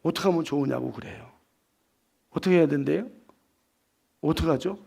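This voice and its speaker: Gravelly high-voiced pastor preaching. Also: male voice, brisk, a little mellow. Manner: preaching with rhetorical questions and acted-out quotes. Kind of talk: evening sermon.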